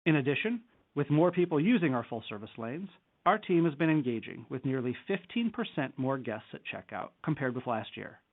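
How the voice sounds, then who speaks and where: A man with a mid-pitched, creaky voice delivers scripted corporate remarks as an executive. His delivery is measured and formal. The sound is narrow and phone-like, as on a conference call. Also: very animated. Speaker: company executive on an earnings call. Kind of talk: scripted corporate presentation, read aloud.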